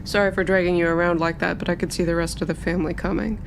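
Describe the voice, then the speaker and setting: A woman playing a down-on-luck private investigator, brisk and matter-of-fact, in a tabletop game. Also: fairly low pitch, little pitch movement, creaky, noisy background. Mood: brisk, apologetic.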